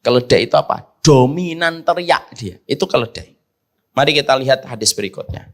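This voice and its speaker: Lively, expressive male preacher. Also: medium pitch, fairly quick. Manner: animated, rhetorical questions, swings between loud emphasis and soft asides. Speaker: Islamic preacher. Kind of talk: sermon.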